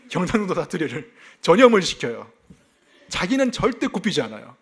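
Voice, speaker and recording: His voice sits high and sounds husky, moving at a moderate pace as this South Gyeongsang pastor from South Korea preaches expository style. He unpacks scripture with lively energy, tells personal anecdotes, and keeps asking his audience rhetorical questions.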